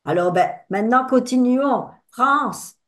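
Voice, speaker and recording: A woman's voice: on the high side, a little slow. An older woman giving a personal testimony to an audience, telling stories expressively and acting out the dialogue. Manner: expressive storyteller who acts out the dialogue. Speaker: speaker at a talk with audience discussion.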